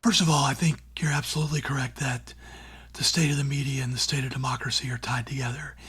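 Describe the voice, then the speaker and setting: A middle-aged man with a very husky, airy voice that sits close to a whisper. He answers at an even pitch, earnest and plainspoken, with lots of "you know" and "like" along the way. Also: fast talker. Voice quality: breathy, raspy, near-whispered voice. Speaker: radio show host and former newspaper columnist. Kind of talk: reflective interview answers.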